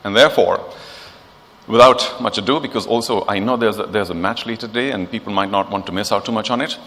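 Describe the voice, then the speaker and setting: A man's voice: on the low side, fast, a bit bright. Eloquent male emcee in a hall. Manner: eloquent, flowery phrasing with emphatic rises. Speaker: event host. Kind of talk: formal emcee speech.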